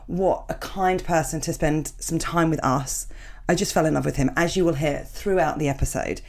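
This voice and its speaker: A woman in her thirties with a cold, hosting her podcast in a rambling, self-mocking chat with a croaky, gravelly voice. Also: deep voice. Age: 30s. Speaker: podcast host. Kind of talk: chatty podcast intro, reading listener emails.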